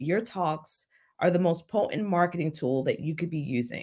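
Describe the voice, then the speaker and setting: With an American accent, a woman in an unremarkable speaking voice talks with lively intonation at a fairly low pitch, in a very clean recording over a silent background. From New York City (Queens). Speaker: professional speaker and podcast host. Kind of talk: solo podcast talk.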